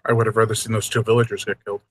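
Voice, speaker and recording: A man's voice: fairly low pitch, level tone, rapid-fire. A man hosting a casual movie riff, joking and laughing often as he talks over the film. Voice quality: husky. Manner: jokey, laughs often, quotes lines in silly voices. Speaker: host.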